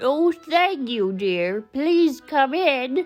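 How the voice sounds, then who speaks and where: In a put-on character voice, a female-sounding speaker talks at a high pitch with faint music in the background. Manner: feigned sweetness, disguised.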